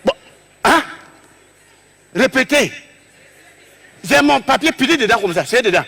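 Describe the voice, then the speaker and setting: Stand-up man, West African French accent, animated storyteller, very high and sharp voice. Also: measured pace, vocal fry, breathy edge. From Togo. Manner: animated, acts out scenes, shouts and drops to low asides. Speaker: stand-up comedian. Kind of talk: comic storytelling on stage.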